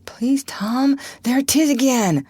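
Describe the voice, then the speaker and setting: A woman's voice: mid-range voice, expressive, a little slow, no echo, lightly acted. A woman voicing a fearful, superstitious ragged country boy who speaks in an anxious drawling whisper and thick dialect. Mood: panicked. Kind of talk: audiobook character reading.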